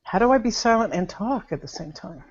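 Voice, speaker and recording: A woman's voice: medium pitch, expressive, a little fast, slightly rough, highs cut off. A woman talking casually in a spiritual conversation, telling a story with lots of laughter and animation. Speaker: satsang participant.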